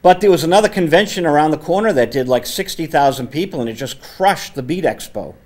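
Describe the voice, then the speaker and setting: A man hosting a casual studio interview, speaking with a naturally loud, conversational voice into a microphone set on the table. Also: a little high, lively intonation, fast. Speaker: host. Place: community access TV studio.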